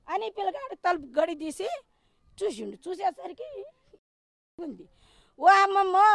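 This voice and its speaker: A woman from a Telangana village tells what she saw in an agitated rush, her voice very high and shrill. She keeps circling back over the same details and slips into the voices of the people she quotes. The sound is close and dry, with little room around it. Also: gravelly, no room sound. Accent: Telangana Telugu. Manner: agitated, repetitive storytelling, acts out quoted speech. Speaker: villager recounting an incident. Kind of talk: emotional eyewitness account.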